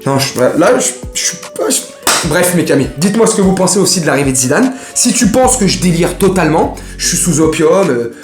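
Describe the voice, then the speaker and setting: A man rambles through football transfer talk in loose slang, joking and speaking straight to his viewers. His voice sits a touch high. The room is echoey, with faint music behind him. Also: very animated, fairly quick. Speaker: football vlogger. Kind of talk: casual mercato chat to camera.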